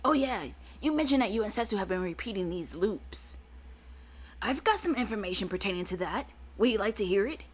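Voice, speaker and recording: A woman's voice: mid-range voice, lively intonation, fairly quick, husky. Woman reading as snobby upper-class crew member. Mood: smug. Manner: reading game dialogue aloud in a plain voice.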